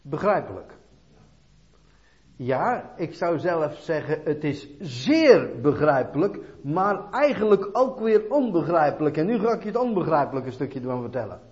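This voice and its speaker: A man preaching a sermon, reading scripture and then putting questions straight to his listeners, swinging between soft and loud. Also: on the high side, sing-song, unhurried. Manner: questions the listener directly, dramatic swings in loudness. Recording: dull lo-fi recording.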